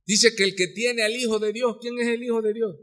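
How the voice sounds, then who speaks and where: A pastor with a Mexican Spanish accent preaching a live sermon in a church, full of rhetorical questions and sudden drops to soft low words. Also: male voice, steady tone, a little fast. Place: church sanctuary.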